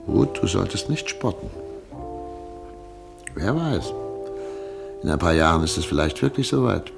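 An actor playing a hopeful, earnest middle-aged exiled doctor and husband in a radio play, speaking in a measured way. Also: male voice, sits low, very animated, gravelly, over music, heavily acted. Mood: earnest, optimistic.

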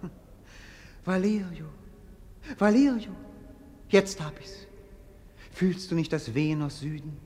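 Bored dreamy young prince, kinda high voice, theatrical and witty, old radio play style. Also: male voice, slow, long pauses, darkish tone. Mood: rapturous. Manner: theatrical, eloquent, world-weary. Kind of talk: classic German radio play acting.

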